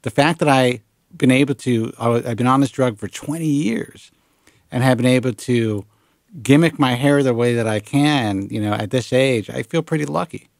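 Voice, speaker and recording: A man in his late forties hosting a talk show, chatting casually with lively restarts and the odd swear word. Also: medium pitch, moderate pace, creaky, no room sound, studio quality. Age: 40s. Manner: animated, swearing, lots of restarts. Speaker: show host. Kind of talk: casual radio show chat.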